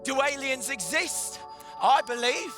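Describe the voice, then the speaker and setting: A man presenting a live children's science show with an excitable, theatrical manner, urging the audience to cheer. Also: very high-pitched, a little slow. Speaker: stage presenter. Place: live event hall with an audience. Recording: music playing behind.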